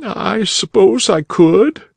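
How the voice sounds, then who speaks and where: Man doing a high, tearful little schoolboy. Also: expressive, takes it slowly, creaky, slightly rough, dry recording, exaggerated voice.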